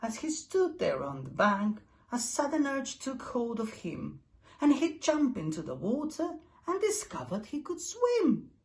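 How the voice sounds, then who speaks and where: A woman's voice: high-pitched, very animated, a little slow, gravelly, a little mellow. A woman reading a rhyming picture book aloud with a rhythmic, sing-song delivery. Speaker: storybook reader.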